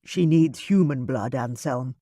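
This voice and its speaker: An audiobook reader voicing a weary male family doctor who speaks in a calm, matter-of-fact way. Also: mid-range voice, unhurried, no room sound, studio quality. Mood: grave. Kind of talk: audiobook character voice.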